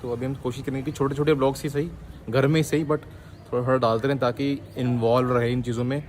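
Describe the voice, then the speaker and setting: A man's voice: mid-range voice, little pitch movement, fast, a little mellow. Joking young man vlogging over noise. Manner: joking, teasing banter. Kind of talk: casual vlog chat.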